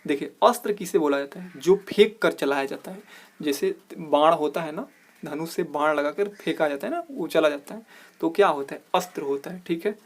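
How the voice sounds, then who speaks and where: A man teaching an exam-prep grammar lesson as host of his channel. He asks rhetorical questions, keeps saying "look here", and slows down to stress each corrected phrase. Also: fairly high pitch. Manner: explanatory, repeats "dekhiye", slows down to stress corrected words.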